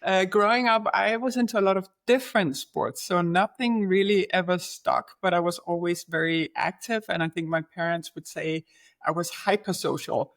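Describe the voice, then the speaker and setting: A woman's voice: fairly low pitch, moderate pace. A woman from Denmark speaks as a podcast guest from her language. She answers in a conversational interview style, as an executive talking about herself. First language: Danish.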